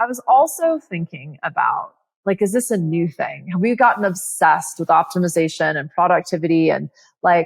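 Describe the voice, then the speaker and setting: A woman talks at a moderate pace. Her voice sounds dry and close, without any echo. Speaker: podcast host and coach. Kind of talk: solo podcast monologue. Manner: loud when excited.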